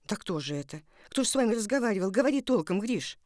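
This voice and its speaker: A woman's voice: medium pitch, expressive, normal speed, darkish tone, dry recording, studio quality, natural voice. A woman reading a story as an exhausted, anxious poor mother who speaks abruptly and impatiently. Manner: abrupt, questioning. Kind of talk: dramatic literary reading.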